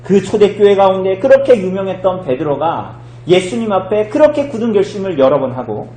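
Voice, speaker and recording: Animated male pastor preaching in echoey church. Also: high-pitched, a little fast. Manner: animated storytelling, acting out quoted lines. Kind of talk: sermon. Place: church sanctuary.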